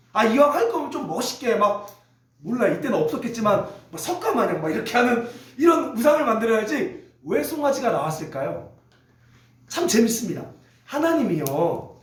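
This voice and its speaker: A male pastor preaching a sermon in a church, leading call-and-response with the congregation and teaching in a lively, teasing way. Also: sits high. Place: church sanctuary. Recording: echoey church hall.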